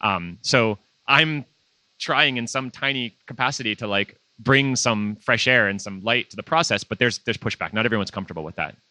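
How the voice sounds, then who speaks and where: A man with a loud voice who talks frankly and emphatically in a live panel discussion, restarting his sentences often. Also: medium pitch, moderate pace, no room sound, poor audio. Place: conference venue.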